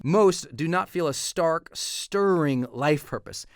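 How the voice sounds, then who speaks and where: A man's voice: a little high, expressive, slow, dry recording, clean studio sound. A man reading a motivational manifesto in a declamatory way. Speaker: reader.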